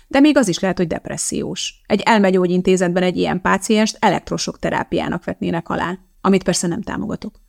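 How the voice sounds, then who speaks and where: A woman's voice: on the low side, vocal fry. A woman reading the part of a precise, blunt woman chemist, lecturing in a matter-of-fact way.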